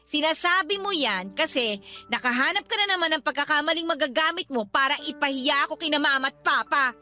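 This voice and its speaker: A wounded younger sister who fights back with sarcasm, her voice very high and bright. Faint music plays beneath her. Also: expressive, a little fast. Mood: bitter. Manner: bitter, cutting. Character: hurt younger sister standing up to her elder. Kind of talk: Tagalog radio drama acting.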